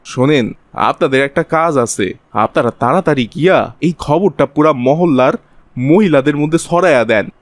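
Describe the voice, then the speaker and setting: Cartoon scheming conman, male actor: Bangladeshi accent, slightly high pitch, wheedling colloquial delivery, dry close sound. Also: moderate pace, no echo, natural voice. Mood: persuasive. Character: scheming city man, sly profiteer spreading virus panic. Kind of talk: Bengali cartoon voice acting.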